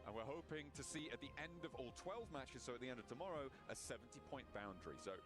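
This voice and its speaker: A man casting esports outdoors at an event, joking in rambling, deadpan asides. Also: mid-range voice, fast, music in the background. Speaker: esports caster. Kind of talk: esports play-by-play commentary.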